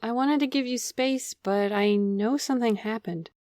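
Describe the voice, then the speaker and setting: A woman's voice: a little high, moderate pace, a little mellow, dry recording, clean studio sound, lightly acted. A woman playing a contrite but hopeful city official in an audio drama, formal and apologetic in manner. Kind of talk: audio fiction acting.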